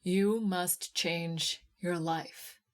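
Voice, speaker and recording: A woman voicing a weary, wry male radio therapist in an audiobook, speaking in a slow and laconic manner. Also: fairly low pitch, steady tone. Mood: weary, firm.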